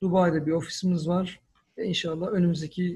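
Speaking at a fairly quick pace, a man talks in a high pitch with monotone, flat intonation. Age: 40s. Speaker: company founder. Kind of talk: webinar interview.

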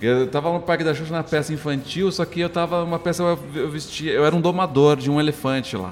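A man's fairly high-pitched voice at a fairly quick pace, hardly any pauses, and noticeable background noise. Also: ordinary pitch variation. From São Paulo city, Brazil. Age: 40s. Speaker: cartoonist and comic writer. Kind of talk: casual chat.

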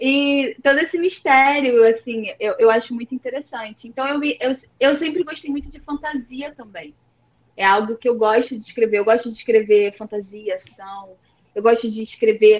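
A woman speaks in a high voice, her loudness swinging widely. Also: ordinary pitch variation, moderate pace. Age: 20s. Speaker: author. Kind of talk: interview. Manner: halting, many fillers and repetitions.

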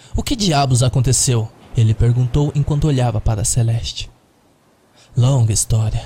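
A man speaks in a dramatic tone at medium pitch with a dark, mellow quality. His delivery is somewhat breathy and moderately paced. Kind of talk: scripted horror narration, first-person creepypasta read aloud. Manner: tense, suspenseful, building dread with dramatic pacing.

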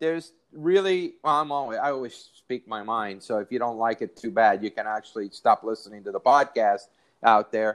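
Speaking at a moderate pace, a man has a plain, everyday voice of medium pitch and lively intonation. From San Diego, California. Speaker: podcast host. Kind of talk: casual chat.

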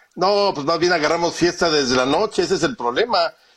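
This man talks fairly quickly. His voice is high-pitched. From Mexico. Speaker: historian. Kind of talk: radio interview.

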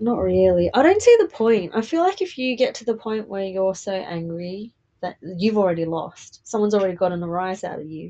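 With an Australian accent, a woman talks at a fairly quick pace with hardly any pauses, using a dark, mellow tone at medium pitch, ordinary pitch variation and big swings in loudness. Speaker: podcast co-host. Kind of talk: casual chat.

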